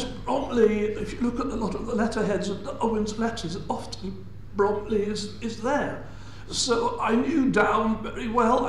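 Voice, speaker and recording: Older English lecturer, high-pitched, echoey hall. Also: male voice, slight background noise. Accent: southern English. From England. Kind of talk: public science lecture. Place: large indoor lecture hall before an audience.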